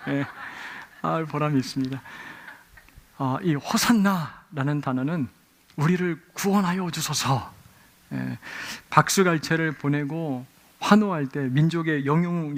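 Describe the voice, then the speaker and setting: A middle-aged man preaching a Sunday sermon in a church, telling stories with lively acted-out exclamations. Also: a little high. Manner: animated storytelling with acted-out exclamations. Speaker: pastor. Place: church sanctuary.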